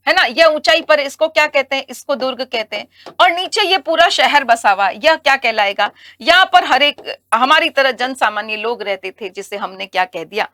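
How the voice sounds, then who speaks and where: Woman teacher, high and bright, animated exam-prep lesson style, dry close studio sound. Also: no echo. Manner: animated, asks and answers her own questions.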